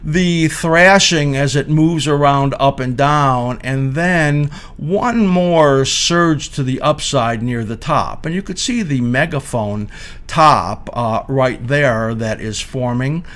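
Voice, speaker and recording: A man in his sixties giving informal explanatory commentary as a market analyst, speaking haltingly with frequent hesitations. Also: medium pitch, a bit bright. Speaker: market analyst presenting a video series. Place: indoor studio or office at a desk.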